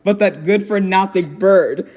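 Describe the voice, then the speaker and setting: A man voicing a cheerful young girl who reads a storybook aloud in an expressive, giggly way. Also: high-pitched, measured pace, lo-fi sound. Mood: animated storytelling. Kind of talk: dramatic storybook reading with giggly asides.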